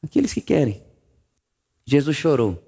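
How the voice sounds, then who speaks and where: A man preaching a sermon, telling the story vividly and swinging from loud emphasis to a hush. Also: fairly high pitch, a little slow, creaky, breathy edge. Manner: animated storytelling, acting out voices, swings between loud and hushed.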